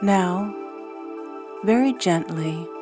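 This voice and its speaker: A woman guiding a scripted meditation in a gentle, soothing, soft-spoken way, leaving long pauses between short phrases. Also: mid-range voice. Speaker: meditation guide. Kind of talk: scripted guided meditation narration. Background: new-age music.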